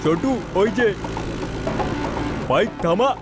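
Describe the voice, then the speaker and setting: A man's voice: high voice, lively intonation, slow pace, heavy background noise. A man voicing a bossy, whining, bumbling street thug in a cartoon dub. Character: bumbling male street thug, bossy but easily beaten. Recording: loud cartoon music behind voice.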